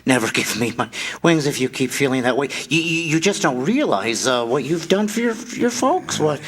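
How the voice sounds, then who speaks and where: A man's voice: mid-range voice, sing-song, moderate pace, a bit bright. Man playing a stammering, swooping, kindly bumbling angel. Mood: gently earnest. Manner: stammering, chuckling, fussy and polite. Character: kindly, bumbling, cheerful apprentice guardian angel. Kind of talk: staged 1940s radio play acting.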